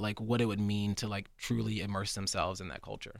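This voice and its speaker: Very fast speech from a man with a fairly low voice comes through on a very clean recording with a silent background. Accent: American. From Virginia. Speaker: city youth program coordinator. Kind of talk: casual chat. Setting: studio.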